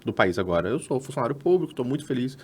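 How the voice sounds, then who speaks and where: A Brazilian man with a Brazilian Portuguese accent co-hosts a casual podcast. He talks quickly at a mid pitch and walks through the steps one by one, with plenty of fillers. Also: animated, darkish tone, slightly rough. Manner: chatty, explains step by step with many fillers. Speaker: podcast co-host.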